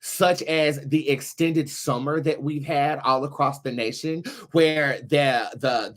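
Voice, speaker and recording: A man with a mid-range voice talks as a show host giving informal commentary. He pauses often as he goes, then leans hard on key words. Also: medium pitch, fairly bright tone. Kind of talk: casual commentary to camera.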